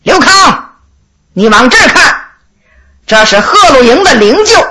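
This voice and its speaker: A stern male judge of the imperial court, interrogating in a slow, measured, coldly reproachful voice, as a woman storyteller puts him on. The delivery is unhurried with a lively rise and fall. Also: high voice, slight background noise, heavily acted.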